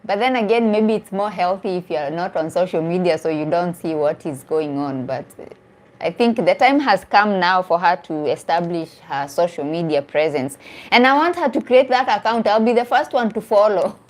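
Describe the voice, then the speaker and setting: On a casual live stream, a dating coach in her 40s talks with fairly low pitch at a moderate pace. She addresses her viewers earnestly, responds to their comments, and frequently repeats or restarts phrases to drive her point home.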